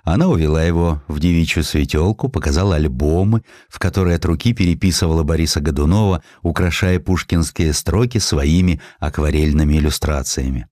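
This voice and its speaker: A man reading a historical story as an audiobook narrator, in an expressive, measured, literary storytelling style. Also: very deep voice, dry recording, studio quality. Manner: expressive, measured storytelling with distinct character lines.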